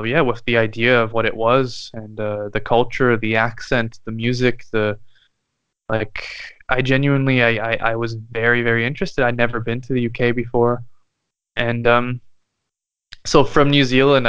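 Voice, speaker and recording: A young man from Canada whose first language is French, a musician guest speaking thoughtfully with many pauses and fillers. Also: mid-range voice, flat delivery, fairly bright tone, smooth, no echo, lo-fi sound. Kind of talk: casual interview chat.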